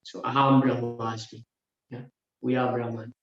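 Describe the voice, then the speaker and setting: A man teaching a scripture class, explaining verse by verse and often filling pauses with "yeah" and "uh". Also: medium pitch, flat delivery. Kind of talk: scripture lecture. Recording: very echoey room, dull lo-fi sound.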